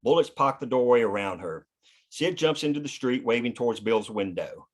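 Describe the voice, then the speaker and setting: At a screenplay table read, a man reads the scripted action and scene headings aloud as narrator. His voice is medium in pitch and expressive, and he keeps a moderate pace.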